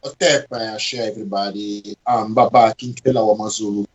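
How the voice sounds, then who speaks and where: A man from Congo who works as an educator, introducing himself on a talk show in a measured, hesitant way. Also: on the low side, steady tone, breathy edge, muffled recording. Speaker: educator and guest.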